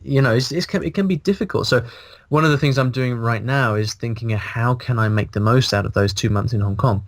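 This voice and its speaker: Man in his thirties, video call, animated, restarts sentences, dry close sound. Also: mid-range voice, fairly quick, no echo. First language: English. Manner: animated, thinking aloud with many restarts. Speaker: guest, language blogger. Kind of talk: casual interview. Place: small room indoors. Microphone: video call, earphones, mic in front.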